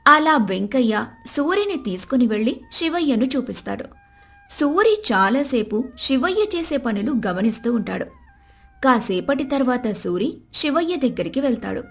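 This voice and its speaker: A woman's voice: sits high, very animated, moderate pace, creaky. A woman reading a scripted moral story as its narrator.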